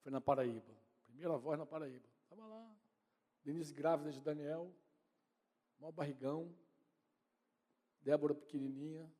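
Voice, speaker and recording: A man's voice: fairly high pitch, normal speed, long pauses, warm tone, big-room sound. A man with a Brazilian Portuguese accent preaching a sermon in a conversational way, often addressing his congregation and his wife directly. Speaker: pastor. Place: church hall.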